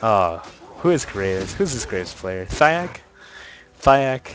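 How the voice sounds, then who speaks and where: Against music in the background, a man speaks at a very slow pace with very wide pitch swings. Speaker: game commentator. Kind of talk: live commentary. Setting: live stream. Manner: animated.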